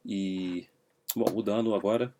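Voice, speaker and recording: A man's voice: lowish voice, steady tone, measured pace, noisy background. A Brazilian man with a Brazilian Portuguese accent casually explaining a language, hesitant and peppered with fillers and restarts. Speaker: language teacher.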